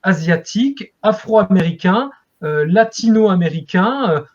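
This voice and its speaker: A man's voice: high-pitched, animated, a little slow, highs cut off. A man speaking as a guest expert in an interview, explaining things in a lecturing way as if to students.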